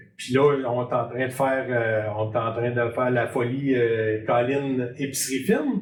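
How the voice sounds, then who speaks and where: At a fairly slow pace, a man with a Quebec accent talks at medium pitch. Noticeable background noise and audible room echo are present. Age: 50s. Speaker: chef. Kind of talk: interview. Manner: hesitant with fillers.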